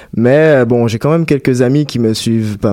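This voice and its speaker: A man with a dark, mellow tone speaks at a fairly slow pace with ordinary pitch variation. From Guadeloupe. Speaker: radio guest, biology graduate. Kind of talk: casual interview.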